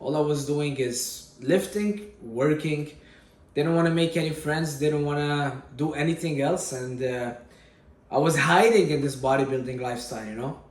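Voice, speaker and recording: A man's voice: fairly high pitch, normal speed, echoey room. A man in his late twenties, from Syria, speaking candidly to camera in a personal vlog, often repeating himself and adding fillers as he searches for words. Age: 20s. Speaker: fitness vlogger. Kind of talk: personal reflective monologue.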